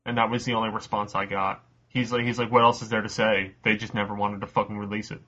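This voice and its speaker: A man with a bright, forward voice and a husky edge hosts a casual podcast quiz. He reads the questions out slowly and cusses offhandedly between laughs. The audio is a little dull and lo-fi. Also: fairly low pitch, flat delivery. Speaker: quiz host.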